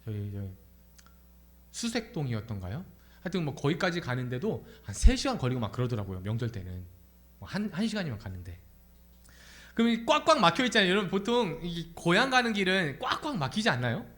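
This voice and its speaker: A man's voice: fairly high pitch, brisk. A young adult man preaching a Sunday sermon in church, asking his congregation question after question. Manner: animated, asks the congregation many questions. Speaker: pastor. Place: church sanctuary.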